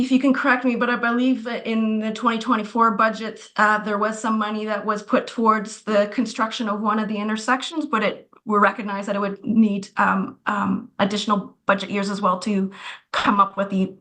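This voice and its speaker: A woman's voice: mid-range voice, flat delivery, fairly quick, fairly bright tone. A woman on city staff explaining budget matters at a committee meeting in a casual way, with many fillers. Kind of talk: answering questions at a committee meeting.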